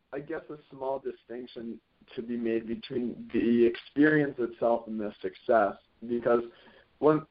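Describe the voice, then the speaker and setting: Young man on a tinny phone line. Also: mid-range voice. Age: 20s. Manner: thoughtful, restarts phrases often. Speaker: college rowing team captain. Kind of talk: reflective interview answers.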